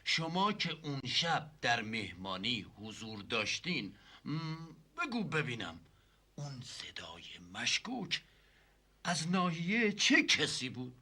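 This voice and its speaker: A stern, pompous judge. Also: male voice, mid-range voice, big pitch swings, bright, forceful tone, husky, full character voice. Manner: formal, impatient, commanding. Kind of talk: TV period comedy drama.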